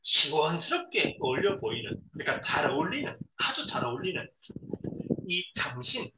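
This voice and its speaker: A middle-aged father reads a novel aloud at home and keeps stopping to explain words in simple terms. His voice is bright and fairly high, with a lot of rise and fall. The mic sits a little away from him in a roomy space, with a faint hiss behind. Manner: reads a passage, then pauses to explain words simply to a child; acts out quoted lines in lively voices. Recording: roomy echo, a bit far from the mic, faint noise.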